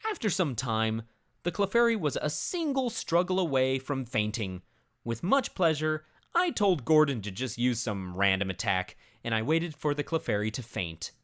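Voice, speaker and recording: Theatrical narrator with widely swinging pitch. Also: sing-song, moderate pace, a bit bright. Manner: theatrical, grave storyteller delivery. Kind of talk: dramatic reading of a comedic story.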